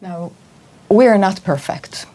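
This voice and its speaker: A woman from Israel, a diplomatic representative, answering interview questions in a measured, firm and formal way. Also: mid-range voice, warm tone. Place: radio studio.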